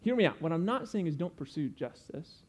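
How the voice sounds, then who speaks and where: With big pitch swings and a fairly quick pace, an earnest young man gives a sermon in a voice a little high and a little mellow. He teaches the congregation patiently, lesson-style, with many asides.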